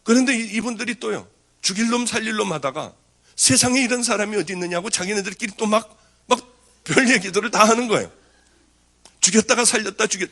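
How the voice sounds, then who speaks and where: A middle-aged pastor gives a personal testimony, telling it as a story. His voice sits a little high for a man, and he slips into the voices of the people he quotes. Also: bright, forceful tone. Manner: storytelling, acting out quoted speech. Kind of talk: testimony sermon.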